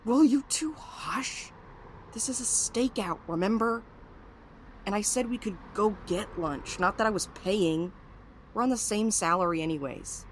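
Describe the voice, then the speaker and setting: A woman's voice: mid-range voice, unhurried, a little hiss or hum, lightly acted. A woman acting in an audio drama as a brash, impatient and snarky amateur sleuth with a blunt manner. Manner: blunt, foul-mouthed, bossy.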